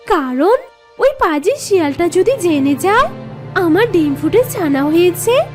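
A sorrowful, naive cartoon mother bird, played by a woman, very high and animated. She frets earnestly over faint children's music. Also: full character voice. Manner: fretful, earnest.

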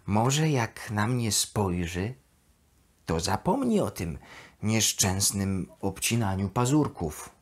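A woman acts out a female plush duck telling her diary in a children's audio story. She is chatty and affectionate, with a slightly husky voice that swings widely in pitch and takes its time. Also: slow, full character voice. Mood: fond, chatty. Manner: expressive, affectionate, confiding.

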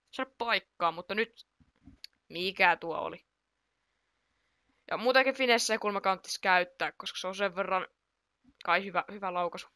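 A woman chatting through her football video game match, excitable, reacting aloud to each play and laughing at her own mistakes. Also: medium pitch, dry recording, clean studio sound. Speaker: gaming YouTuber. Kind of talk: casual gameplay commentary.

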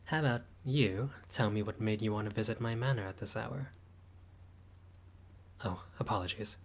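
Over some background noise, a man speaks at normal speed in a low voice close to an everyday one. He voices a friendly, laid-back male vampire host in a roleplay audio, wry and dryly teasing, sometimes grandly theatrical.

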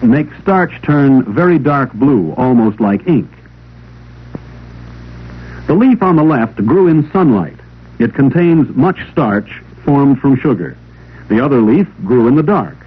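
Male narrator for vintage classroom science film: medium pitch, expressive rise and fall, didactic read, thin phone-like 16mm sound. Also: takes it slowly, slightly rough. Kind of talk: scripted instructional narration, 1950s classroom film. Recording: old 16mm film soundtrack, narrow telephone-like band.

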